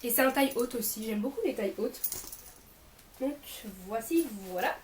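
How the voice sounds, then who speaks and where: A young haul vlogger speaks casually to camera at a normal speed, her slightly high voice lively in intonation but a bit off since she's mildly unwell. She rambles and corrects herself, recorded in a roomy space with slight background noise.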